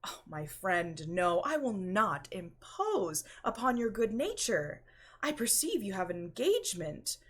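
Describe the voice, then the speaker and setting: A woman voicing a sly, vengeful gentleman who feigns friendly concern with courteous manners in a storybook read-aloud. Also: medium pitch, sing-song, unhurried, husky. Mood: feigned concern. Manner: courteous, falsely solicitous.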